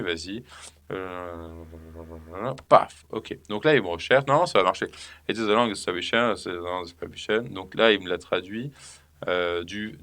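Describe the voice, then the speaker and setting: A man giving a casual, rambling software tutorial, thinking aloud with lots of fillers. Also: deep voice, vocal fry. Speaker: software trainer. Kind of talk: casual screen-recorded tutorial.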